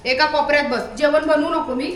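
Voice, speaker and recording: Home vlogger, woman, high voice, chatty and bossy with her pet, recorded from across a boomy kitchen. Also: fairly quick. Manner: alternately coaxing and scolding her dog in a lively, chatty way. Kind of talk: casual home vlog talking to her dog. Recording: very echoey room, voice from a distance, faint noise.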